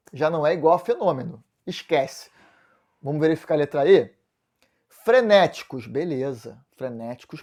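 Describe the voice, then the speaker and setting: In his video lesson, a man teaching Portuguese with a Brazilian Portuguese accent steps through exam answers and responds to his own questions. The voice is on the high side and a little mellow.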